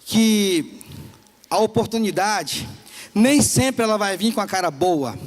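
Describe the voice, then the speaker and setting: A man's voice: high-pitched, animated, slow pace. A young man with a Brazilian Portuguese accent, preaching a sermon to a youth service, telling stories with playful humor. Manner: storytelling with playful humor, acts out voices. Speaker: pastor. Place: church hall.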